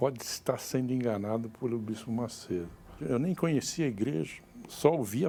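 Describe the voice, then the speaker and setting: Over music in the background, a man with a medium pitch speaks at a moderate pace with lively intonation. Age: 60s. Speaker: church member giving testimony. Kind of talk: testimony. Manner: halting.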